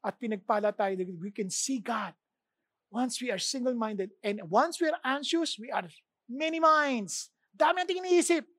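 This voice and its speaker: A woman preaching a sermon, telling the story with lively, animated delivery and slipping English phrases into her talk. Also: fairly high pitch, measured pace, no room sound, studio quality.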